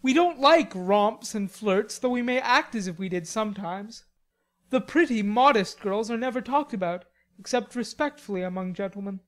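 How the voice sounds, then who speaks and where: Woman doing a teasing, mock-lofty young gentleman. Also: medium pitch, expressive, normal speed, lightly acted. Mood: mock-superior. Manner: airy, mock-superior banter.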